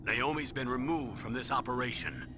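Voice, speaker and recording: A man's voice: mid-range voice, normal speed, noisy background, close to an everyday voice. A man playing a stern military colonel in a dramatic video game, giving orders in a firm, commanding manner. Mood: stern, urgent. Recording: music behind the voice.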